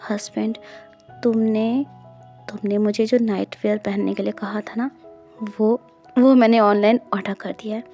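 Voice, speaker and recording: A woman voicing a shy, tender young man in an audiobook, speaking softly with hesitant restarts. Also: on the high side, fairly even intonation, moderate pace, faint music behind, natural voice. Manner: soft-spoken, hesitant restarts.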